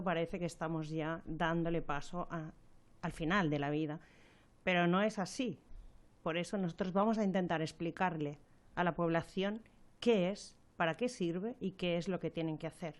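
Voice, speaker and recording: A woman with a lowish voice explains a health topic on the radio. She talks in a measured, didactic way, rephrasing herself and pausing on fillers. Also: darkish tone. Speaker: health professional collaborating on a radio segment.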